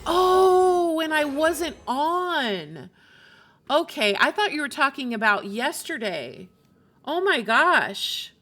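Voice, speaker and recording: A woman's voice: high-pitched, sing-song, takes it slowly, sharp tone, a little hiss or hum. A woman livestreamer chatting casually with her viewers while she plays a game.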